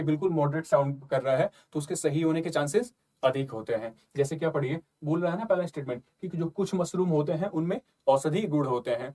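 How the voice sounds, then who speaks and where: With a slightly high, mellow voice, this man tutors for exams, going over questions in a relaxed, chatty way. He keeps checking in with listeners and leans heavily on the words "ठीक है" and "ना".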